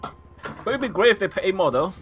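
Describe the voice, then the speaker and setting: Lively-voiced man with a Hong Kong accent. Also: sits high. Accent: Hong Kong Chinese. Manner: halting, searching for English words. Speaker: guest gamer. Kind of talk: casual gaming chat.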